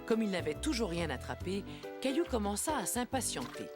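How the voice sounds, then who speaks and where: A woman playing the gentle storyteller of a children's cartoon, reading scripted narration. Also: mid-range voice, very animated, a little fast, music in the background, close to an everyday voice.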